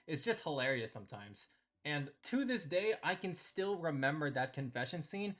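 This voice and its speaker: A casual video host delivers opinionated review commentary with a widely swinging, animated pitch. The voice sits at a middling height, and the phrasing is informal, emphatic and slangy. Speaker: video host ranking visual novel characters.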